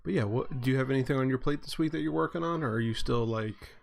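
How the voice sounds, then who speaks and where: A man's voice: medium pitch, fast talker, gravelly. A man hosting a casual live-stream chat. He rambles with plenty of fillers and restarts, and sounds stuffy and sniffly. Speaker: host.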